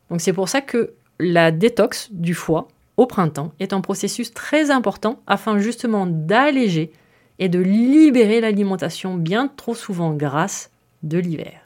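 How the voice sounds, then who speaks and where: Her voice is lowish with a darkish tone as she talks straight to her podcast listeners. The female host keeps things relaxed and chatty, explaining in a casual monologue full of fillers and frequent asides.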